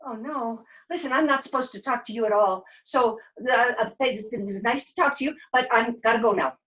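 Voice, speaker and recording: A woman's voice: fairly high pitch, fairly quick, a bit bright, dull audio, close to an everyday voice. A woman voicing a flustered, forgetful young dishwasher in a puppet show, hesitant and dithering. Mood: nervous, protesting. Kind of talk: puppet show character acting.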